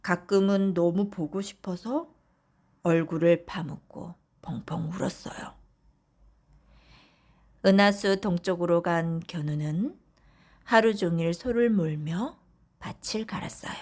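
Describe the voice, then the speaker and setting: Slow, soft-spoken woman telling bedtime tales. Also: fairly low pitch. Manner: soft, often whispery, gentle delivery. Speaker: audiobook narrator. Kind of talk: bedtime storytelling of folk tales.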